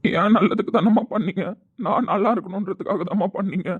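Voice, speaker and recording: A man's voice: sits high, brisk, husky, dry recording. A man playing a grown son who apologizes to his mother, speaking over a phone line. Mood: remorseful. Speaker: son character. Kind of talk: scripted family drama.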